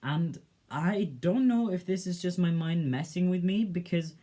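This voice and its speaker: A young man with a soft, gentle voice, talking in a reflective, hesitant way in a casual personal vlog. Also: high voice, measured pace. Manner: reflective, hesitant, with many fillers. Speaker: vlogger.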